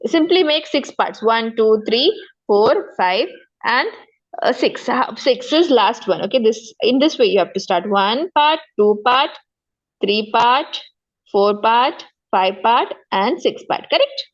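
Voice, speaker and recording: A maths teacher, a high-pitched woman with a South Asian accent, gives a lesson over slightly dull, lo-fi audio. Animated and unhurried, she explains step by step, repeats key points and keeps slipping in short check-in questions.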